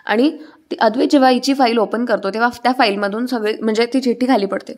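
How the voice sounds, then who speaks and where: A woman's voice: a little high, quick pace. A woman casually retelling a television serial episode in a chatty way, with many fillers. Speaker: serial recap narrator.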